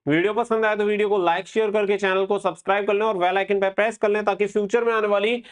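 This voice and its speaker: A man's voice: sits high, little pitch movement, fast, smooth. A man hosting a coaching channel, giving informal, reassuring advice to exam candidates and repeating his points as he explains. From India.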